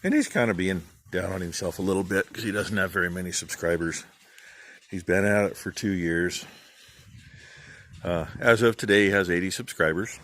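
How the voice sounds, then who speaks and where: A middle-aged man, a farmer vlogging, giving rambling, plain-spoken shout-outs in a casual way. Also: deep voice, moderate pace. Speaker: farm channel vlogger.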